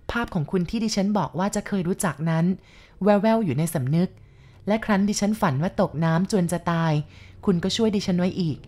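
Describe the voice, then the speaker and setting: A woman voicing a gentle young woman who speaks softly and politely, vowing her devotion. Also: medium pitch, natural voice.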